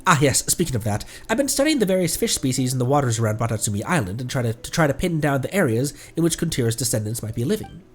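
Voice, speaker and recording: A man's voice: medium pitch, sing-song, quick pace, hardly any pauses, natural voice. A man voicing a polite, enthusiastic researcher from a fantasy game, chatty and courteous as he reads the dialogue aloud. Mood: friendly, earnest.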